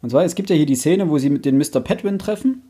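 A man's voice: a little high, animated, fast talker, mellow, slightly rough. A man co-hosting a podcast in a casual, conversational style. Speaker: podcast co-host. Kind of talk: casual chat about books, films and series.

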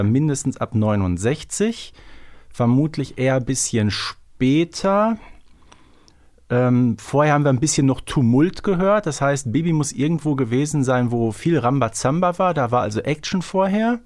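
A man with a medium-pitched voice talks casually as a contestant in a podcast guessing game. He thinks aloud and works through his reasoning step by step. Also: darkish tone. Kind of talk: casual chat.

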